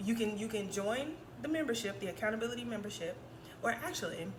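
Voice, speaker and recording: A woman's very fast, animated speech at a fairly high pitch, with audible room echo and noticeable background noise. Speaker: self-care content creator. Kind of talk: casual vlog talk.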